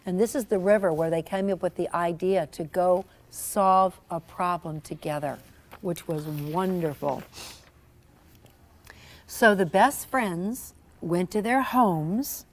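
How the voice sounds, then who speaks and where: A woman reading a children's story aloud to young listeners in an animated, teacherly way, prompting them with questions. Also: fairly low pitch. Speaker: storyteller reading own children's book to a class. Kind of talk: interactive children's read-aloud.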